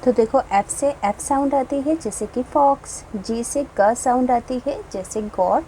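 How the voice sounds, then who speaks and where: A woman teacher slowly explaining a children's English textbook, reading each line and giving its meaning. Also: high voice, warm tone, a little hiss or hum, rough recording.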